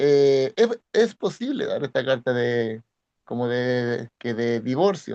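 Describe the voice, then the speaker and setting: Here a man talks at a very slow pace. His medium pitch shows ordinary variation. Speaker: church member. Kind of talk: bible study discussion. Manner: halting.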